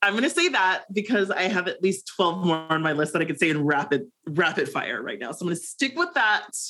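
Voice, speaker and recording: A woman at medium pitch with an unremarkable speaking voice, lively intonation and a fairly quick pace. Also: hardly any pauses. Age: 30s. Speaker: podcast co-host. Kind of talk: casual chat.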